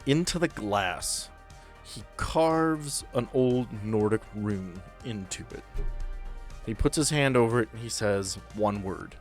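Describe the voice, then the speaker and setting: Low-voiced man running a tabletop game. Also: takes it slowly, soft background music. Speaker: game master. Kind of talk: tabletop roleplay narration and casual chat.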